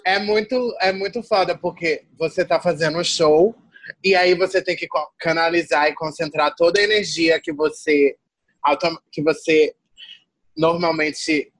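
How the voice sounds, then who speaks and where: A young adult woman from Salvador, Bahia, a tired guest artist talking in an animated, slangy way full of restarts. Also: deep voice, measured pace, dry recording. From Salvador, Bahia, Brazil. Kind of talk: casual conversation.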